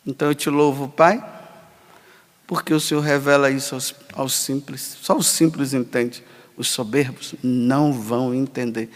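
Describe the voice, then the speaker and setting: A Catholic priest preaching a sermon emphatically, acting out imagined dialogues. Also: male voice, medium pitch, fairly even intonation, moderate pace. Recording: long hall reverb.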